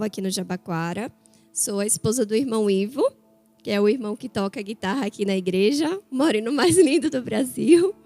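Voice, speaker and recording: A woman's voice: medium pitch, a little mellow. A woman in her thirties from Bahia with a Bahian accent, preaching a chatty, story-filled sermon to a church. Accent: Bahia Portuguese. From Bahia, Brazil. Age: 30s. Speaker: guest preacher.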